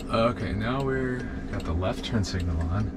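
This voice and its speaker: Fairly slow speech over loud background noise. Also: man. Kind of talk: casual ride-along commentary. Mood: mildly amused, puzzled. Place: car. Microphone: camera far.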